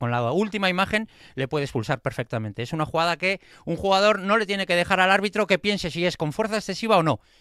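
Over a quiet background, a man talks very fast with lively intonation. His tone is bright and sharp, and the sound is dry with no echo. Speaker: football YouTuber. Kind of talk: sarcastic angry rant. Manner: indignant, sarcastic. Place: studio. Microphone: handheld.

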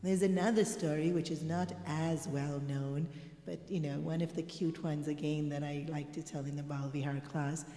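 Room echo is audible as a woman speaks at a moderate pace. Her voice is very deep and low. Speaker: spiritual storyteller. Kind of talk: storytelling talk. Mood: warm, gentle. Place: hall.

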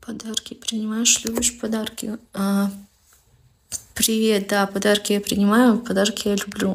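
A woman speaks at a fairly slow pace with a fairly high pitch and monotone, flat intonation. Her long, frequent pauses sit over light background noise. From Russia. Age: 20s. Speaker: live streamer. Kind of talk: casual live stream chat. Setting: live stream on camera. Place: home room. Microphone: phone near.

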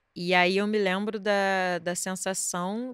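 Her pace is very slow. The woman's intonation is monotone and flat. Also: quiet background, dry sound with no echo. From Brazil, Niterói (Rio de Janeiro state); Rio de Janeiro state, Brazil. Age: 30s. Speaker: singer and actress; actress. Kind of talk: casual interview chat. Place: studio. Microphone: studio mic.

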